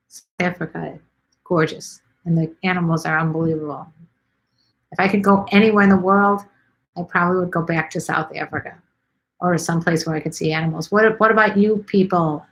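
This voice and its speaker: A woman's voice: lowish voice, fairly even intonation, normal speed, fairly bright tone, poor audio. A middle-aged woman from Chicago hosts a live stream, chatting casually and rambling with lots of ums as she reads viewer comments. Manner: chatty, rambling, many ums and let's sees.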